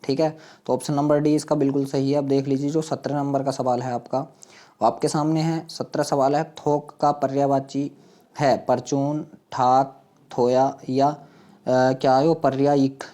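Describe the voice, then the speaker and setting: Man teaching, dark mellow voice. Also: mid-range voice, flat delivery, moderate pace. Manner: explanatory, repeats points, poses questions to listeners. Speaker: teacher, exam coach. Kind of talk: Hindi grammar quiz lesson, question and answer.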